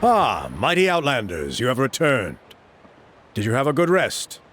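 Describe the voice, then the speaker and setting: An actor playing a genial, persuasive older tribal elder in a video game, husky and formally spoken. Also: male voice, mid-range voice, huge pitch swings, normal speed, noisy background. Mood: welcoming. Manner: formal, smooth-talking, expansive. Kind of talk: video game character acting.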